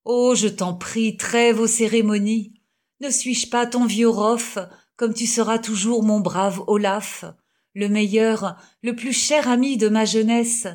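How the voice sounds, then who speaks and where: A woman reading the lines of a warm, jovial middle-aged male doctor in an audiobook, cordial and effusive. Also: a little high, fairly even intonation, slow. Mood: hearty.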